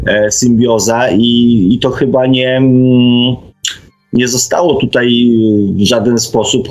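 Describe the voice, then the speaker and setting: A man hosting a reflective radio discussion, speaking haltingly and often adding tag questions. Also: medium pitch, low-quality recording.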